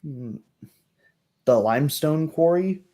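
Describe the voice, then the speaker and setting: A man voicing a courteous, shrewd baroness in a tabletop roleplaying game, with measured, genteel phrasing. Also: on the high side, expressive, warm tone, pitched above the performer's own voice. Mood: pensive, puzzled. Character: courteous, shrewd baroness, a noblewoman musing over her troubled land.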